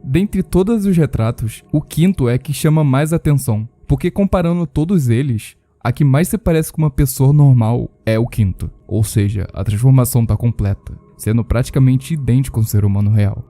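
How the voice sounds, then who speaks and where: A man's voice: mid-range voice, moderate pace, few pauses, warm tone, faint music behind. A Brazilian man narrating scripted commentary on horror videos.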